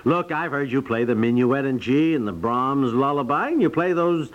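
An insistent, blustery 1950s husband and father acted by a man, with a lively, wide-ranging delivery. It is radio comedy acting on a slightly muffled old recording. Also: medium pitch, normal speed, lightly acted. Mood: explaining. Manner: blustery, emphatic.

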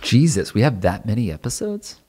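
A man's voice: lowish voice, very animated, normal speed, a little mellow, slightly rough. A man co-hosting a podcast, trading casual comedic banter. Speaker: podcast co-host.

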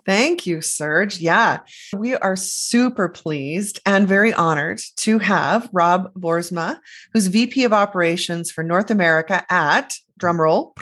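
A woman's voice: medium pitch, a bit bright. A woman co-hosting a podcast interview, upbeat and enthusiastic in casual chat. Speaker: podcast co-host.

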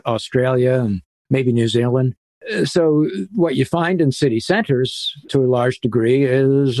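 A man's voice: mid-range voice, dark tone, no room sound. A middle-aged man as an interview guest, explaining earnestly with occasional fillers. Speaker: interview guest, urban planning author. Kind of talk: conversational interview.

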